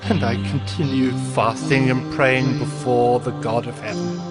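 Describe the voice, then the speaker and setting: A man acts out a devout royal cupbearer in a dramatized scripture production. His medium-pitched voice is solemn and reverent, earnest in its grief. Music plays clearly beneath him. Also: level tone, unhurried, close to an everyday voice. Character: devout, grieving male cupbearer telling his own story. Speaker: narrator and lead character. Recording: music under the voice. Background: background music.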